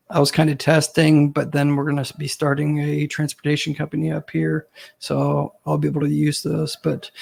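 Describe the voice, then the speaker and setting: A man hosting his own channel, talking casually to viewers with a hoarse voice from a cold, full of ums and uhs. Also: on the high side, a little mellow. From Ohio, US. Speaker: host.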